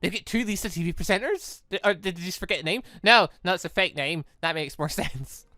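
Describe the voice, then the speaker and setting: A man hosting a gaming video, giving animated let's play commentary and reading a visual novel aloud as he reacts. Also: sits high, fairly quick, dry recording, clean studio sound.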